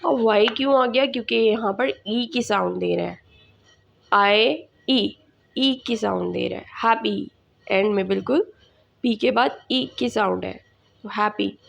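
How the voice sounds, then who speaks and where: A woman teacher, explaining an English lesson slowly and repeating words for her students. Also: mid-range voice, vocal fry. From Pakistan.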